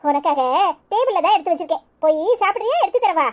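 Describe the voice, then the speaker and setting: Bossy elder sister in a cartoon, Tirunelveli Tamil accent, very high lively voice, blunt and motherly. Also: fast. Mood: fussing. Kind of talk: cartoon voice acting.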